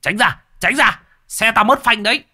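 A man's voice: medium pitch, lively intonation, takes it slowly, pitched above the performer's own voice. A man voicing a reckless, bumbling young servant. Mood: yelling.

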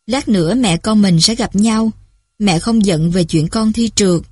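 A woman voicing a mother woken at night who speaks softly and soothingly to her daughter on the phone. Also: mid-range voice, a little slow, slightly rough, no echo, studio quality. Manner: soft and soothing. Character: worried mother woken at night, gentle then frantic.

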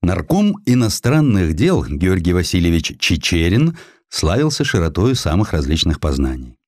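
Deep-voiced man, lively expressive narrator. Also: normal speed, no room sound, clean studio sound. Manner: theatrical, ironic storytelling with acted quotations. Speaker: audiobook narrator. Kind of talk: expressive scripted narration of historical essay.

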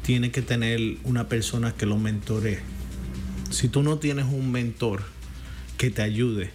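A Puerto Rican pastor talks easily, slipping into quoted voices as he tells stories. His voice sits at an ordinary male pitch. Soft music runs faintly behind him. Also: fairly even intonation, measured pace. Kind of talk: casual faith talk.

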